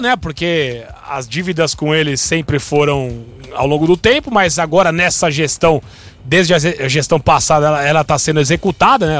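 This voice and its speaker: High-voiced man, chatty sports host. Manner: chatty, many fillers and restarts, animated. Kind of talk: sports talk show discussion.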